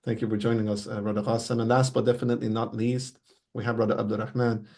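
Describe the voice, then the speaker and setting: Gravelly, flat-voiced male host. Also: on the low side, fast talker. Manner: courteous, many religious blessings. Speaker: host of an online tribute. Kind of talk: formal moderating. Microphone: video call.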